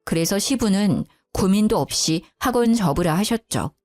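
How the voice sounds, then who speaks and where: A woman's voice: mid-range voice, animated, moderate pace, darkish tone. A woman narrating a personal story in the first person, in an emotional and indignant way. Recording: faint background music.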